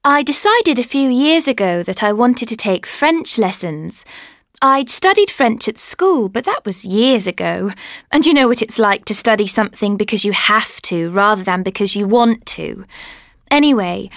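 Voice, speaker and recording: A woman telling a scripted story for a language course, with a clear and steady delivery. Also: on the high side, normal speed, dry recording, clean studio sound. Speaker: speaker in a listening exercise. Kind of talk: scripted monologue.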